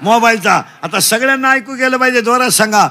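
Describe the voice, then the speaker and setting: A middle-aged man preaching a comic kirtan. He shouts questions to the children and mixes broken English into his lessons. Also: extremely high pitch, a little fast, a little hiss or hum. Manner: shouting call-and-response with children.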